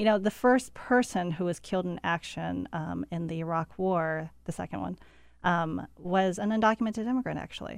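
A woman with an American accent at a fairly low pitch, an ordinary speaking voice, ordinary pitch variation and a moderate pace. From Taiwan, raised in US. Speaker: immigration reporter and DACA recipient. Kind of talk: casual chat. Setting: studio.

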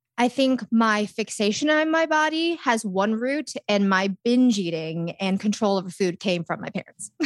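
A woman with an American accent talks at a moderate pace with lively intonation and hardly any pauses in a plain, everyday voice, the sound dry and close with no echo. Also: fairly high pitch for a woman. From Illinois, US Midwest. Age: 20s. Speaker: content creator and podcaster. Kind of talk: casual interview chat.

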